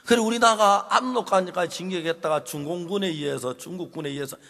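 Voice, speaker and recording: An older man with a Gyeongsang accent, preaching a sermon as a pastor, telling a story with animated drama and turning often to the congregation. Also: high voice, quick pace. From Gyeongsang, South Korea. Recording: long reverb of a large hall.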